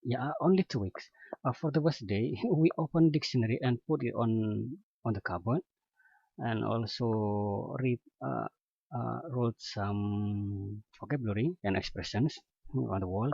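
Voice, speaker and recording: English is this man's fourth language, and he tells a casual personal story slowly and hesitantly, with many pauses and fillers. His husky voice sits at medium pitch with a warm tone. The audio is dull and lo-fi, with no room echo.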